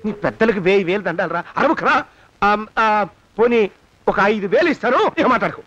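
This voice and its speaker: A man's voice: high-pitched, animated, fairly quick, highs cut off, background noise. An actor playing a miserly, panicky male landlord in a film comedy, fretful, blustering and haggling. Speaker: comic film character, landowner. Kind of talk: Telugu film comedy acting.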